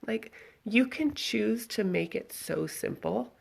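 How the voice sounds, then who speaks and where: Speaking slowly with lively intonation at a medium pitch, a vlogger with a husky, scratchy voice shares a story and thoughtful advice with her followers. She talks casually into a handheld phone at arm's length.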